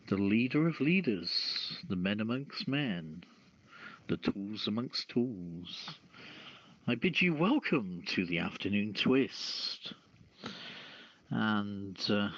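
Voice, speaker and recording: A man co-hosting an online radio show in casual chat, talking in a halting, deliberate way over a phone-like app connection. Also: fairly low pitch, fairly bright tone, dry recording. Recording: phone-like two-way app audio.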